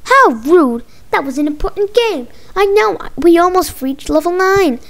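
A woman's voice: very high-pitched, expressive, measured pace, full character voice. A woman voicing a game-obsessed young boy frog in a storybook, slangy and indignant. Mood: excited, indignant. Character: excitable young boy frogs, game-obsessed, whiny slackers.

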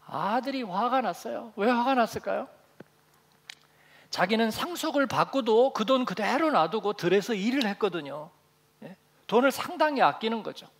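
A man's voice: high-pitched, lively intonation, normal speed. A male pastor preaching a sermon, telling a parable and acting out its characters. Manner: storytelling, acting out the figures of the parable. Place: church.

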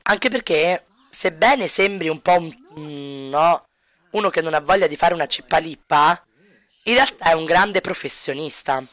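A man chats casually to his viewers while he plays, dropping wry, joking asides. His voice is high and bright. It is recorded dry and close to the mic. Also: normal speed, no echo. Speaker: let's play commentator. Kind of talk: casual game commentary to viewers.

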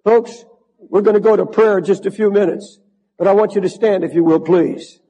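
A man's voice: high voice, moderate pace, warm tone, breathy edge, long reverb tail, low-quality recording. An older man preaching a sermon to his congregation in a large church, building to fervent, emphatic repetition. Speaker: pastor.

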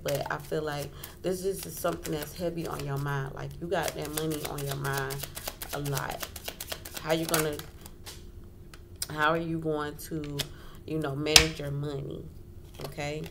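Low-pitched, creaky-voiced woman reading tarot. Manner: informal, conversational, repeats phrases and checks in with "okay". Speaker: tarot reader, host. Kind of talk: casual tarot card reading. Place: indoors at a wooden table. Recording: clearly noisy home recording.

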